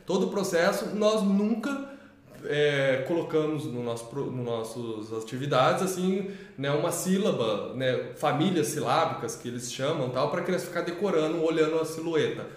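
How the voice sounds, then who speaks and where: In an echoey room, a literacy channel co-host explains how to teach kids to read in a casual, rambling way, full of restarts and tag questions. He speaks at normal speed in a fairly high, expressive voice.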